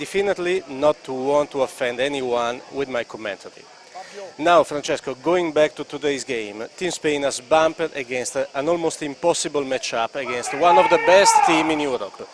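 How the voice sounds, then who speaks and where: Noticeable background noise accompanies a man whose fairly high pitch shows ordinary pitch variation. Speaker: color commentator. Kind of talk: live commentary. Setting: broadcast booth.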